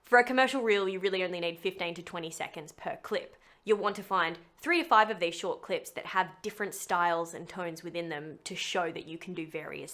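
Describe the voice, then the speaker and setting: A woman's voice: fairly low pitch, a bit bright. A woman giving a scripted tutorial in a chatty, emphatic way with some self-deprecating humour. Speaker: voice actor teaching how to make a demo reel. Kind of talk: scripted tutorial narration to camera.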